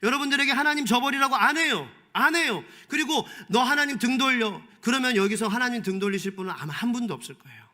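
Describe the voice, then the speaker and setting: A man's voice: very high voice, animated, fast talker, few pauses, pushed and bright. A male pastor preaching a sermon, emphatic, asking the congregation rhetorical questions and moving between formal and casual speech.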